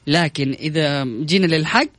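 A man's voice: fairly high pitch, moderate pace, a bit bright, no echo. A man co-hosting a morning radio show, teasing his guests and laughing often. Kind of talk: playful radio banter.

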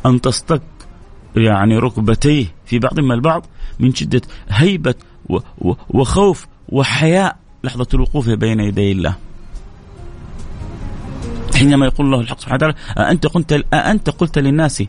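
A man's voice: medium pitch, animated, fairly quick, long pauses, darkish tone, faint music behind. A man preaching an emotional sermon, pleading and repeating phrases with stammered restarts.

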